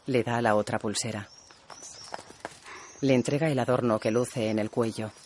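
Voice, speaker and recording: A man reads a film's audio description in a calm, even way, in a steady mid-range voice. A faint noise runs under him. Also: mid-range voice, moderate pace.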